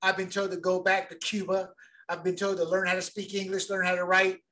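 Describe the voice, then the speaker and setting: A man co-hosting a casual sports podcast, talking in an animated, rambling way and repeating words as he gets going. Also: high-pitched, brisk. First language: bilingual since childhood. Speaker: podcast co-host.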